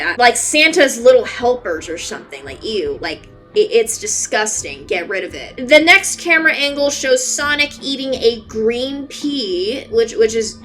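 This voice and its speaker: A woman's voice: mid-range voice, fairly bright tone. A woman narrating a video in a casual, sarcastic way, moving between scripted recap and informal, sweary commentary.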